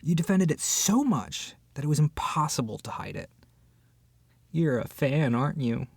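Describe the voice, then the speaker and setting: A performer in a scripted audio roleplay, speaking to the listener as a flustered, opinionated book club member, expressive and hesitant with sighs and whispered asides. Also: mid-range voice, normal speed, gravelly, husky, no echo. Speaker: ASMR roleplay voice actor. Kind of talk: scripted audio roleplay, acted as one side of a conversation addressed to the listener.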